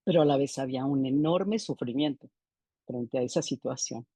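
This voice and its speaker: A woman's voice: extremely low pitch, moderate pace, warm tone, slightly rough, no room sound. A middle-aged woman presenting a clinical case in a seminar, reflective and often ending phrases with a questioning "¿no?". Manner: reflective, tags sentences with "¿no?". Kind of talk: seminar lecture, case narration.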